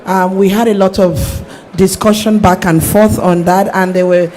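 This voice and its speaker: A woman's voice: mid-range voice, level tone, normal speed, warm tone, a little hiss or hum. A woman from Nigeria speaking from the audience, hesitant with fillers. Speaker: audience member. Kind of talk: question from the floor.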